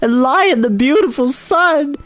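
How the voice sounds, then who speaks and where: Storybook piglet, male, childish and hysterical, shrieking high pleas. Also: lively intonation, unhurried, a bit bright, no echo. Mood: panicked.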